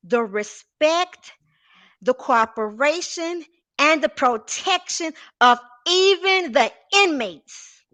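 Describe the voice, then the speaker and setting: Speaking very slowly in a raised, projected voice, a woman with a bright, sharp tone and a high pitch makes very wide pitch swings while keeping her loudness very even. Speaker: guest telling a personal story.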